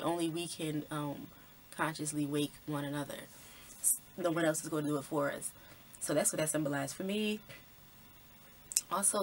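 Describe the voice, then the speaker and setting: A woman vlogger talks through a film's symbolism in a loose, conversational way, full of ums and likes. Her voice is low-pitched. A faint noise runs behind her. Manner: conversational, many fillers like "um" and "like". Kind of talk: casual film commentary.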